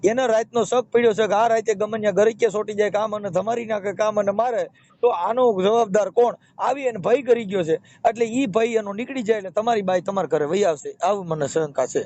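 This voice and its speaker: A man's voice: high voice, fairly quick, a little mellow. A man with a Saurashtra Gujarati accent giving advice on a phone call, explaining step by step and repeating himself. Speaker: phone counselor and marriage mediator. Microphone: telephone. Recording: muffled, noisy phone call recording.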